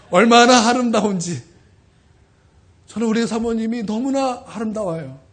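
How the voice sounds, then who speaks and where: A man in his thirties preaching to his congregation as their pastor. His voice sits high and swings widely in pitch as he delivers a heartfelt, emotional testimony. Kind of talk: sermon.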